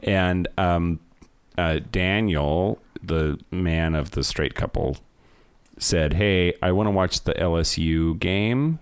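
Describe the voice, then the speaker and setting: A man's voice: sits low, takes it slowly, smooth, no room sound. A man co-hosting a podcast in casual chat, playful and teasing, laughing often. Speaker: podcast co-host.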